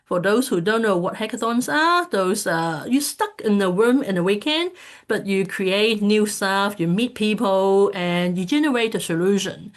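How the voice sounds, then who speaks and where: Woman from Hong Kong presenting to an online community, halting and filler-heavy, on a computer mic. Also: medium pitch, expressive. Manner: hesitant, many fillers and restarts. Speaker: speaker at an online community event. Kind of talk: casual presentation talk.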